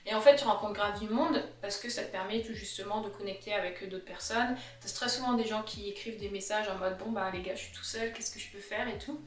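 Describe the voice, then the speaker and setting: Speaking a little fast with few pauses and fairly even intonation, a young illustrator vlogger with a strong Alsatian accent chats animatedly with her viewers. Her pitch is an ordinary middle, and the camera mic sits some way off, making the sound roomy.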